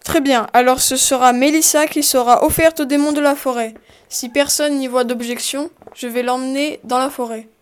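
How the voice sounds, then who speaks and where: A cold village official in white barks out his announcements, as a woman acts him out. The voice sits high but keeps a flat, even line. It comes across as a stern, menacing amateur audio-drama figure. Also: normal speed, close to an everyday voice. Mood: commanding. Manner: loud, commanding announcements.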